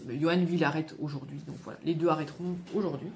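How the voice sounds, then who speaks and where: Talking at a very fast pace, a woman with a fairly low pitch is heard with audible room echo and noticeable background noise. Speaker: sewing blogger. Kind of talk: casual vlog monologue. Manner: hesitant, many fillers.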